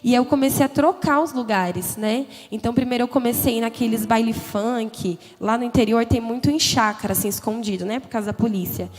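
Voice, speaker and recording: Higher-voiced young woman, echoing hall. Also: fairly quick, hardly any pauses. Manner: candid, conversational, emotional, frequent "né?" tags. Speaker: testimony speaker. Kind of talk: personal testimony at a church youth congress. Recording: long hall reverb with faint music. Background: soft background music.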